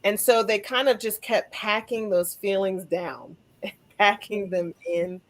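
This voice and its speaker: A woman's voice: mid-range voice, steady tone, slow. A woman hosting a conversational interview podcast, speaking reflectively and building her thoughts step by step. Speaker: podcast host.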